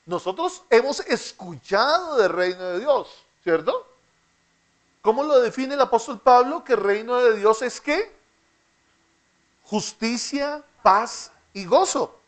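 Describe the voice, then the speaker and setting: A man's voice: very high-pitched, expressive. A man teaching an interactive Bible class, who keeps asking his students questions and has them repeat after him. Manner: slow, deliberate delivery.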